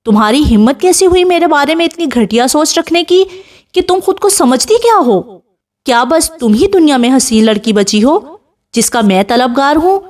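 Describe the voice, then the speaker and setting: A woman's voice: high-pitched, very animated. A woman reading a novel aloud, voicing an arrogant, hot-tempered rich young man who speaks in a harsh, commanding way. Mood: furious.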